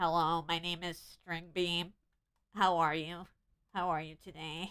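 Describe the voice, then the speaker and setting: In a put-on character voice, a woman speaks nasally at a fairly low pitch and fairly slow pace with monotone, flat intonation. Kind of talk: casual live stream talk. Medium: role play.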